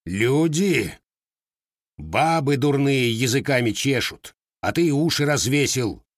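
Man doing a gruff old Cossack grandfather. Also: mid-range voice, sing-song, unhurried, dry recording, clean studio sound, voice pushed up. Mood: angry. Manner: gruff, growling.

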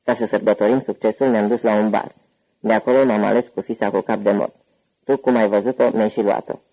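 A hoarse, jovial old gangster uncle from a storybook thriller, put on by a male reader. The voice sits a touch higher than the narrator's own, yet stays gravelly, husky and dark. He rambles boisterously through his stories. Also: fairly even intonation, poor audio. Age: older.

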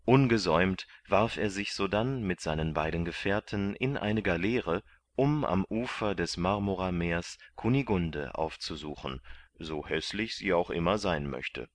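A man reading a classic novel aloud as narrator, in a measured, even way. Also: low voice, no echo. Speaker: audiobook narrator.

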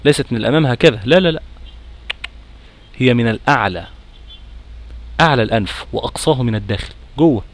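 Nasal Egyptian teacher with a cold. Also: male voice, medium pitch, fast talker, pauses often, a little hiss or hum. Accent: Egyptian Arabic. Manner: lively, questions the class, chants recitation examples. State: congested with a cold. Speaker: Quran recitation teacher. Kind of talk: tajweed lesson to a class.

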